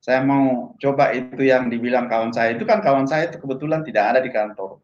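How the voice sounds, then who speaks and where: A man telling a personal testimony in an animated way, acting out the voices of people in his story. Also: mid-range voice, quick pace. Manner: animated, acts out quoted voices. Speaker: testimony speaker. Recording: echoey, dull lo-fi room sound.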